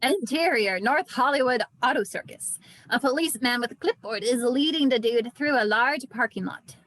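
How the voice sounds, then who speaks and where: Woman narrator, higher-pitched and dry-recorded. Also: normal speed, a bit bright, no echo, low-quality recording. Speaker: narrator reading stage directions. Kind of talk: scripted narration at amateur table read.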